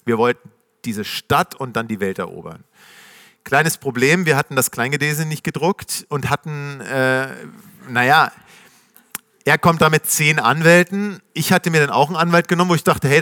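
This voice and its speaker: A middle-aged man telling his founder story to a live audience in a casual, slangy, animated way, acting out the voices of the people he quotes. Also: on the high side, no room sound, studio quality. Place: stage before a live audience.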